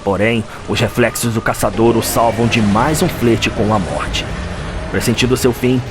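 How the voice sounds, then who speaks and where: Music plays prominently under a Brazilian man telling a dark fantasy story. His voice sits at a medium pitch, and his delivery is solemn and theatrical, built for suspense like an audio drama. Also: normal speed. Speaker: narrator of a video game lore audio drama. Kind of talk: dramatic scripted storytelling narration. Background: background music.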